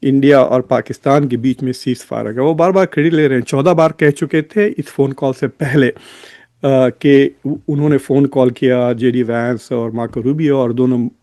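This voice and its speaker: Mellow Indian man hosting political commentary. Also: medium pitch, steady tone, normal speed, no echo, clean studio sound. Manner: code-switches between Hindi and English. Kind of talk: informal news commentary to viewers.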